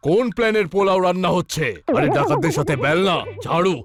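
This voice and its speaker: A man's voice: high-pitched, fast, a crowd in the background, lightly acted. A man voicing a goofy, complaining cartoon buddy who talks in singsong rhymes. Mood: comic grumbling. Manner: singsong rhyming, dramatic complaining. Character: goofy, whiny, rhyming cartoon buddy, comic male. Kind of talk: children's cartoon dub. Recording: faint music behind.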